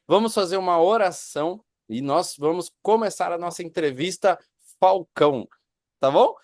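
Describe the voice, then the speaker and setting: A man, a pastor, who hosts a church interview, asking quick, upbeat questions and leading a prayer. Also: sits high, lively intonation, darkish tone, dry recording, clean studio sound. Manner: upbeat, rapid questions with affirmations.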